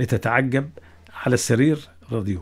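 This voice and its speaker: At a fairly slow pace, a man speaks with an Egyptian accent. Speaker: longtime radio listener. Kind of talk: interview. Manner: halting. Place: studio. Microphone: studio mic.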